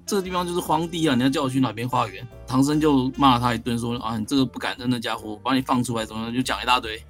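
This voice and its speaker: A man's voice: mid-range voice, very fast, soft background music. A man, casually retelling a classic story as a guest and acting out the quoted characters. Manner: animated, acts out quoted characters.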